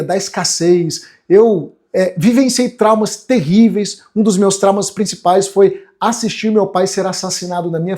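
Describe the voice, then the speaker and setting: High-voiced Brazilian man, motivational coach. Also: mellow. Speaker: self-development coach hosting an online class. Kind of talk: motivational live lecture to viewers.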